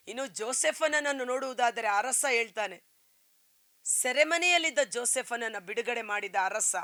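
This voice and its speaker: A woman's voice: on the high side, pushed and bright, no echo. A woman preaching a fervent Christian sermon, building emphasis on key phrases and quoting scripture.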